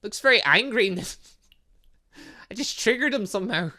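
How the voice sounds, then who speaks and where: Animated, bright-voiced man doing game commentary. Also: sits high, moderate pace. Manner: animated, breaks off into asides and exclamations. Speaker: gaming channel host. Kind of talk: gaming playthrough commentary, reading visual novel dialogue aloud with casual reactions.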